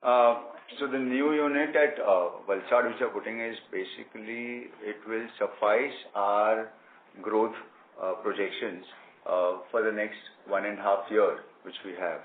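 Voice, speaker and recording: Halting Indian man on an echoey phone call. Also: fairly low pitch, fairly even intonation, a little hiss or hum. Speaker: company executive answering analysts. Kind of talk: earnings call answers. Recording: echoey phone line with clicks.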